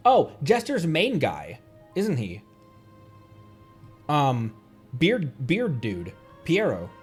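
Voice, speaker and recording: A man's voice: on the high side, wildly swooping pitch, very slow, faint music behind. A man giving casual livestream commentary on a game, playfully thinking aloud. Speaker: streamer.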